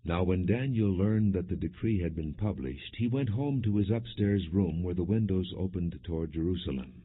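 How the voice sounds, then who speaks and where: A man narrating scripture as an audiobook in a solemn, measured way with deliberate pauses. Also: deep voice, animated, slightly rough. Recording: muffled phone-like lo-fi audio.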